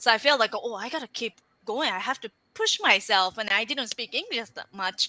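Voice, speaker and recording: A woman's fairly high, bright, sharp voice with a Japanese accent, lively intonation, and a moderate pace, in a dry, close sound with no echo. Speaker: manga artist. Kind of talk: casual interview chat. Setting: live studio show. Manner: halting.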